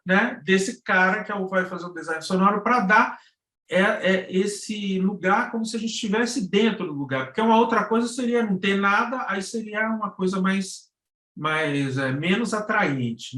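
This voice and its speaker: A Brazilian man giving an informal online lesson, halting as he searches for words. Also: on the high side, sharp tone. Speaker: guest lecturer on podcast production. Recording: roomy, echoing live-stream sound.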